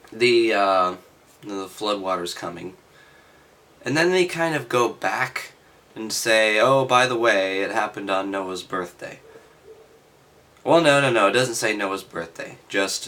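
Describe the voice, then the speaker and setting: A man reading aloud and adding halting, offhand, skeptical commentary with sardonic asides. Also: on the low side, pushed and bright. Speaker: reader and commentator.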